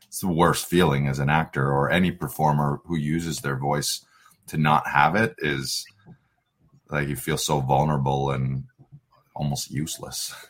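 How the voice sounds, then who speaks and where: A man's voice: extremely low pitch, little pitch movement, normal speed. A man hosting a podcast, talking casually in an encouraging, reflective way. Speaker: podcast host.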